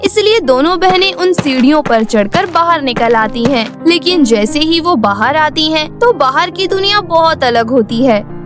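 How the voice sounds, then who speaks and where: Female storyteller with a high voice, scripted cartoon fairy-tale narration over soft background music.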